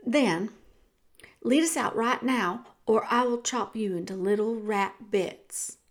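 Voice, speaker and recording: Woman playing a plaintive, high-voiced storybook servant girl. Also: slow pace. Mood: defiant. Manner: plaintive, uneducated folksy speech. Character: simple, needy, wounded little servant girl.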